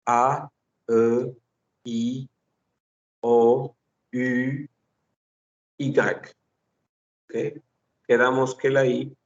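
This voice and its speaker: A man's voice: medium pitch, gravelly, a little mellow, recorded from a distance. A man teaching a French phonetics class, patiently repeating sounds and examples. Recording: dull lo-fi recording.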